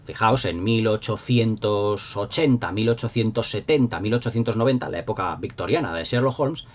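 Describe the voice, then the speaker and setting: A man's voice: on the low side, moderate pace, lo-fi sound. A middle-aged man with an accent from Spain, talking casually and nostalgically as a video host in an enthusiastic, effusive, rambling way. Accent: Spanish from Spain.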